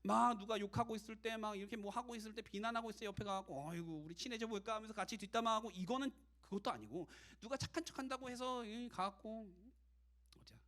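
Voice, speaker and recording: A man preaching a casual, conversational sermon to young adults as their youth pastor, animated and direct. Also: high-pitched, quick pace.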